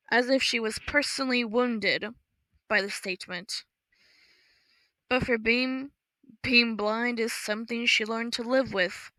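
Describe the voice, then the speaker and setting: A woman reads a story in a slow, measured, even way. Her tone is bright and a little high, captured close on a dry studio mic with no room sound. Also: no room sound, rough recording. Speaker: audiobook narrator. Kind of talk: scripted story narration.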